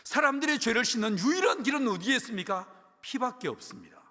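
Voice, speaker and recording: A man with a Gyeongsang accent preaching a sermon, telling the story in a lively, colloquial, humorous way. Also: very high-pitched, fast. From Gyeongsang, Korea. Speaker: pastor. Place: church sanctuary. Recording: long church hall reverb.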